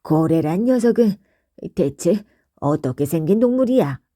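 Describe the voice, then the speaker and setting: Gruff hermit creature played by a woman for a bedtime storybook: curt, grudging, mellow-toned, in a dry close sound. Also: on the low side, animated, a little slow, no room sound. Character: grumpy gruff reclusive hut-dwelling creature.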